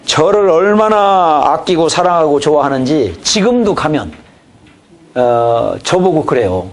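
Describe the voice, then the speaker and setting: Animated and measured, a fifties-aged pastor with a fairly high voice lectures a church training session on evangelism. He leans on folksy family anecdotes and plays out dialogue himself.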